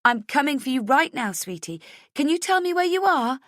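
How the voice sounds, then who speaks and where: A woman's voice: high-pitched, sing-song, normal speed, a bit bright, no echo, clean studio sound, voice pushed up. A woman playing a desperate, urgent mother in an audiobook, speaking in an insistent, demanding way. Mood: relieved, tender. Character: desperate, urgent mother hunting for her kidnapped daughter.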